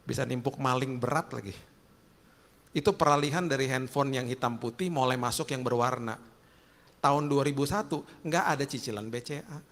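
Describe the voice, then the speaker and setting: A middle-aged man with a Jakarta accent, telling lively, joking stories in a sermon. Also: medium pitch, a little fast. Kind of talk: storytelling sermon. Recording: long hall reverb.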